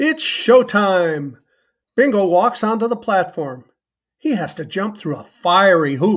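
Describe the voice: Lively intonation runs through this plain reading aloud. Behind it, all is quiet.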